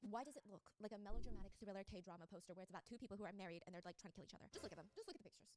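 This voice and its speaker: A young woman retelling a true scandal story to a co-host, animated and sarcastic, swearing freely. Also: mid-range voice, racing, background noise. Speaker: storyteller YouTuber.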